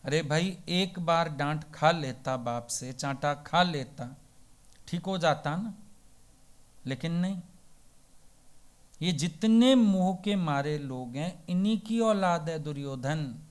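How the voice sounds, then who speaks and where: Unhurried high-voiced preacher telling parables. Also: male voice, lively intonation. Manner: storytelling with rhetorical questions; folksy and plain-spoken. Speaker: spiritual teacher. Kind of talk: devotional sermon.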